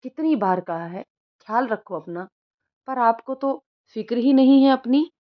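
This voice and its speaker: A woman's voice: medium pitch, unhurried, lo-fi sound, lightly acted. A woman voicing a short-tempered rich young man who scolds his servants but cares for his grandmother, in a storybook reading. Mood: worried. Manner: sharp, commanding, scolding.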